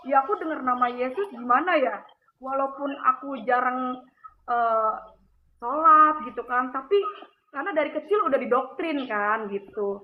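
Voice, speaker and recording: A high-pitched woman tells her own testimony at length, rambling and full of fillers. Her voice comes through a thin, tinny phone line with a faint hiss behind it. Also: moderate pace. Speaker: caller giving a testimony. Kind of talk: emotional personal testimony. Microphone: phone call.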